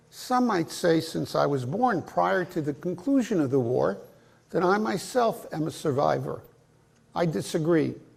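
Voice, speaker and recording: In a room with audible echo, a man at a high pitch speaks at a fairly slow pace with very wide pitch swings. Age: 70s. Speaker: Holocaust survivors' son giving a talk. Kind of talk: public lecture. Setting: in front of a live audience.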